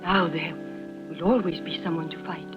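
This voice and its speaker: A woman's voice: sits low, steady tone, moderate pace, close to an everyday voice. An actress playing a passionate young woman fleeing the police with her lover, speaking in dramatic, formal, urgent phrasing in a 1950s radio drama. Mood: hushed. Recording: muffled 1950s radio broadcast with music.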